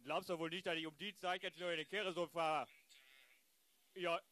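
A man's voice: a little high, steady tone, normal speed, sharp tone. A man playing a grumbling, colloquial, exasperated haulage driver in an improvised audio drama. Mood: grudging. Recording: faint background noise, ambience.

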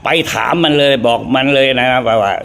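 A man talking in a played live-stream clip, halting and filling gaps with fillers. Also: medium pitch, creaky, fairly bright tone, clear, resonant tone.

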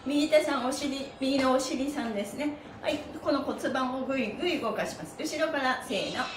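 A middle-aged woman leads a stretching session in a cheerful, chanting singsong. Her voice sits on the high side. It is picked up from a distance in a very roomy indoor space. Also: moderate pace, background noise. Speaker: stretching instructor and host. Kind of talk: live exercise instruction with chanted counts. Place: small indoor studio with bare wall and floor mat. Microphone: camera a few metres away. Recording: roomy, distant mic, music behind.

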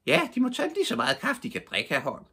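An older man voicing a genteel elderly lady at morning coffee, using a husky voice pushed up high. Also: wildly swooping pitch, pushed and bright, full character voice. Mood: musing.

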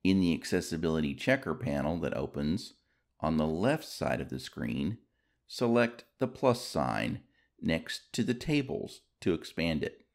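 A man reading scripted instructional narration as a tutorial narrator, in a measured, explanatory way with careful enunciation. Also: very deep voice, sing-song, vocal fry.

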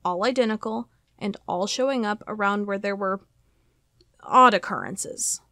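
A woman playing a determined, inquisitive FBI agent in an audio drama, speaking in a measured, probing, earnest way. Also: medium pitch, bright, forceful tone, dry recording, clean studio sound. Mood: intent.

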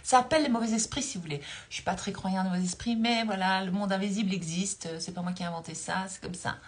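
A woman's voice: mid-range voice, steady tone, fast. Woman, forties, spiritual coach, casual livestream chat, frequent laughs, phone mic close up. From Belgium. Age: 40s. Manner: chatty, laughs often, reads viewer comments aloud. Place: dim room indoors. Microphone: phone held close.

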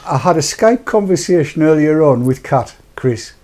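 An older man hosting a casual studio chat, croaky after dental work, jokey and rambling. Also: fairly high pitch, animated, moderate pace, a little mellow. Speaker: host. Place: small studio with dark backdrop. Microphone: lapel.

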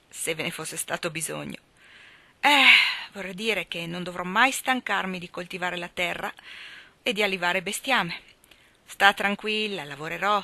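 A woman's voice: lowish voice, pushed and bright, no room sound. A woman voicing a good-hearted farmer father in an audiobook, speaking in a hearty, exclamatory way. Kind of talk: audiobook character voice.

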